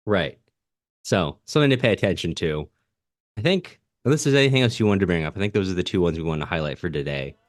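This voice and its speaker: A man hosting a podcast, reading listener comments aloud and reflecting on them in a measured, bookish way. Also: low-pitched, lively intonation, dry recording, studio quality. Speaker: podcast host.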